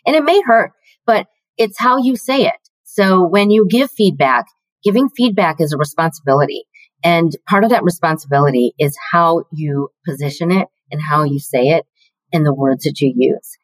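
A middle-aged woman with a deeper, lower voice speaks with calm, emphatic confidence. She is recorded close and dry, with no room sound at all. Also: moderate pace, no echo, low-quality recording. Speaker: guest, learning and development executive. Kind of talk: podcast interview answers.

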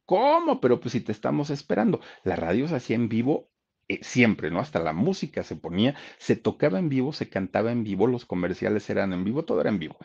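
A man's voice: on the low side, expressive, fast talker, creaky, darkish tone, slightly rough. A man telling a life story in a chatty way, speaking straight to his listeners with lots of fillers. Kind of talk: casual storytelling. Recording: dull lo-fi sound.

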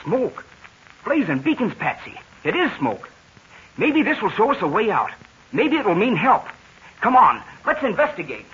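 An actor playing an eager, earnest teenage boy sidekick in exclamatory 1940s radio style, with a husky voice. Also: mid-range voice, very animated, fairly quick, bright, forceful tone, exaggerated voice. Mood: excited. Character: eager, wide-eyed teenage boy, aviator's loyal young sidekick. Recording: dull 1940s radio recording.

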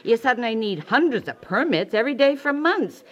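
A woman's voice: on the high side, lively intonation, a little fast. An actress playing a chatty, dramatic woman friend in a 1950s radio comedy, gushing and exaggerating as she hands out discouraging advice.

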